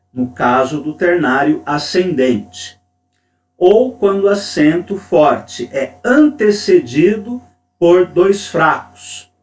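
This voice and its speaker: A man teaching a poetry lesson, speaking slowly and deliberately and stressing syllables. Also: sits high. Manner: slow, deliberate, stresses syllables when reading verse. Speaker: creative writing teacher. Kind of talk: lecture on poetry. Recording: echoey room, distant mic.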